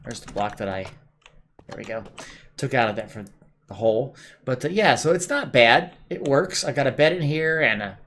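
A man hosting a gameplay video, calmly explaining his build step by step with plenty of "uh"s, while his voice is going a bit hoarse. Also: medium pitch, normal speed. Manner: relaxed, explaining step by step with many "uh"s. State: losing his voice. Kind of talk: casual building commentary.

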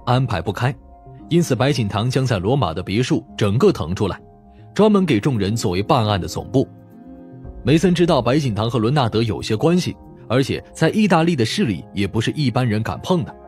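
A man's voice: medium pitch, darkish tone. A man reading a mystery novel as a scripted audiobook narration.

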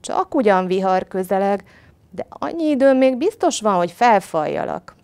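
A woman voicing a fierce but gullible male tiger in a storybook tale, loud and blustering. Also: medium pitch, big pitch swings, clear, resonant tone. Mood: nervous. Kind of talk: storybook reading.

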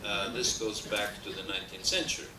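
A man's voice: on the low side, fairly even intonation, fairly quick. Older Austrian-accented male lecturer, discursive and wry, recorded from a distance in an echoey hall on old noisy videotape. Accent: Austrian German. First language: German. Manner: discursive, frequent hesitations, dry humor. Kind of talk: academic lecture. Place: wood-paneled lecture hall. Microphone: desk mic on stand. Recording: roomy, distant, noisy VHS transfer.

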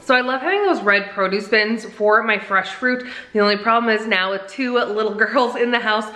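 A woman's voice: on the high side, normal speed, sharp tone. Woman vlogger with music behind her. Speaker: lifestyle vlogger and home cook. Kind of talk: casual vlog narration of meal prep. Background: background music.

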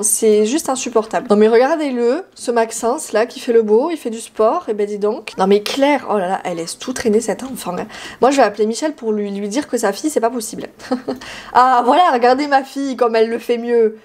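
Une jeune femme qui commente un jeu vidéo sur un ton de discussion détendue, bavarde, avec des rires et des cris aigus d'enthousiasme. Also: female voice. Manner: chatty and giggly, with excited high squeals. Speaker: gaming YouTuber. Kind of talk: casual Let's Play commentary.

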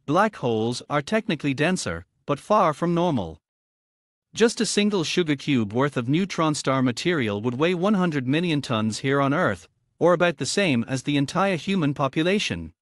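A man reading a text aloud as a model exam answer, in measured phrases. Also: on the high side, big pitch swings, dry recording, clean studio sound.

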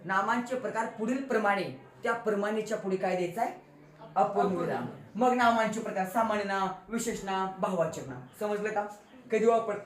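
A woman's voice: medium pitch, a little fast. A woman teacher with a Marathi accent, playfully quizzing a class of children and teasing them. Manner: playful, teasing, quizzes pupils with call-and-response. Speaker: school teacher. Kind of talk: classroom grammar lesson. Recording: echoey classroom with children's voices.

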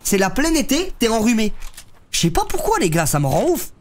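This young man's voice sits high and swings hugely in pitch, moving fairly quickly against slight background noise. Stuffed up with a head cold, he streams a game from a gaming chair in his streaming room, loosely chatting with his audience in slang.

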